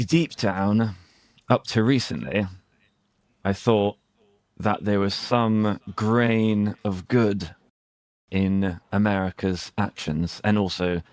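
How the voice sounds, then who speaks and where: A British man, an English teacher, talking casually about current affairs in a searching, halting way with rhetorical questions. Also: lowish voice, a little mellow, no room sound. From Britain. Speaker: English teacher and conversation host.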